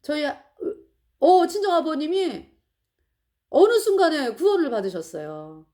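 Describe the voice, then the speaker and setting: A woman's voice: high voice, wildly swooping pitch, unhurried, warm tone. A middle-aged woman telling a personal church testimony with emotion and laughter. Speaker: church member giving testimony.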